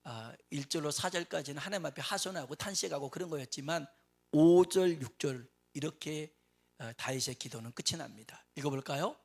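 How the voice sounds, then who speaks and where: Pastor guy giving a sunday sermon, kinda high voice for a man, tosses questions at the crowd, reads verses slow and grave. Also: gravelly. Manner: preaching with call-and-response questions to the congregation; reads scripture slowly and solemnly, swells louder on emotional lines. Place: church sanctuary.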